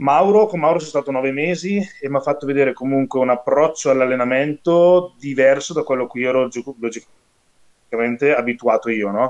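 Here is a man with a plain, everyday voice. His pitch is fairly high, with ordinary variation, and his pace is fairly quick. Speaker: bodybuilding athlete. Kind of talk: casual chat.

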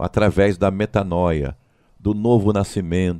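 A man speaks fairly slowly in a very deep, low voice with a dark, mellow tone. The recording is very clean and silent behind him, dry and close with no echo. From Rio de Janeiro, Brazil. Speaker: pastor. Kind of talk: sermon-like teaching in a chat. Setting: radio studio, streamed on YouTube.

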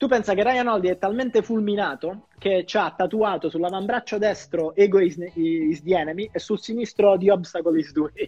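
With music in the background, a man talks at a moderate pace with hardly any pauses. His pitch is high, with ordinary variation. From Basilicata, southern Italy. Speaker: guest, book enthusiast. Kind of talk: casual chat about books. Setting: video call.

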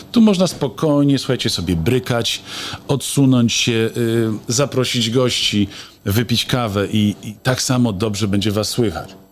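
This man speaks at a fairly slow pace and a medium pitch, with ordinary pitch variation. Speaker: podcast host. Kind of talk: casual chat. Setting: live stream.

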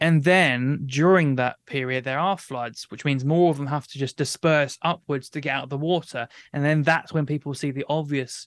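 A man with an English accent speaks at a fairly high pitch and a moderate pace, his intonation fairly even. The recording is very clean, with a silent background. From England. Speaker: reptile researcher and content creator. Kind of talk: casual interview.

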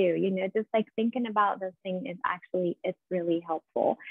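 A woman talks at a fairly quick pace. She has an Iranian accent. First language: Farsi. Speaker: marriage and family therapist. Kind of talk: casual interview.

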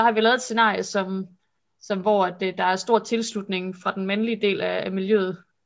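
A woman's medium-pitched voice at a moderate pace, fairly even intonation, quiet background. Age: 20s. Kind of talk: casual interview. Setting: video call. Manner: halting, many fillers.

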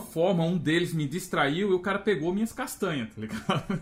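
A man speaks here with ordinary pitch variation. His voice is high-pitched. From interior of Pernambuco, Brazil. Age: 30s. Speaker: podcast co-host. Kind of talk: casual chat.

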